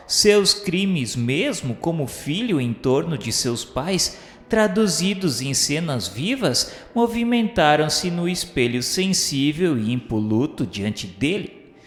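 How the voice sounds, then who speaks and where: A Brazilian man reading a novel as grave, declamatory, formal dramatic narration. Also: medium pitch. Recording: roomy long reverb with music.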